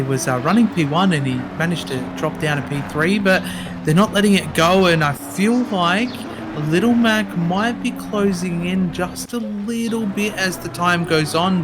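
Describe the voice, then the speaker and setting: A man's voice: a little high, background noise. A man co-commentating a sim race, bantering and laughing at himself. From Australia. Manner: laughing, self-deprecating banter.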